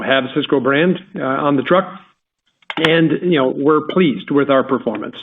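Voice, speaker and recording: Guy exec on an earnings call, sure of himself, leans on key words, phone line sound. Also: medium pitch. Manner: confident, emphatic business talk. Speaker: company executive.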